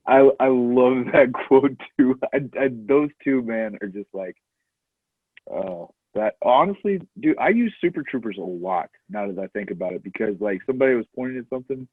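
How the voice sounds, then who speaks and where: A man's voice: mid-range voice, expressive, moderate pace, breathy edge, no room sound. A man co-hosting a movie podcast, laid-back and quoting films in casual chat. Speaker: podcast co-host. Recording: tinny phone-like line.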